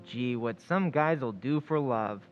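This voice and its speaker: An actor playing a folksy, good-natured sidekick full of homespun sayings, in 1940s radio drama style. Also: male voice, mid-range voice, unhurried, lo-fi sound, soft background music, lightly acted. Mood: amused, musing.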